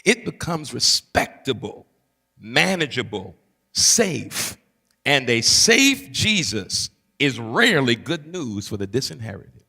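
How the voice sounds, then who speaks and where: A pastor's gravelly, husky voice rises and falls with lively pitch as he teaches. He repeats key phrases for emphasis and checks in with the congregation. The sound carries the long reverb of a large hall. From Barbados. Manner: preacherly, call-and-response asides, emphatic repetition. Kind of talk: teaching sermon.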